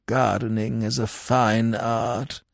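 A man acts out an elderly English lord from a comic storybook, benevolent and woolly-minded. The voice rides high and wavers up and down with a little creak. He dithers and repeats himself, in a close, dry recording. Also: sing-song, unhurried, no room sound, heavily acted. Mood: dreamy, vague. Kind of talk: comic novel audiobook character voice.

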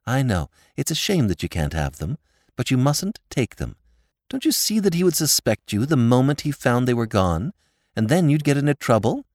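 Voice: mid-range voice, big pitch swings, normal speed, a little mellow, no room sound, studio quality, voice pushed up. A reader voicing an earnest young woman who pleads and soothes. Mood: soothing. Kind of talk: audiobook character voice.

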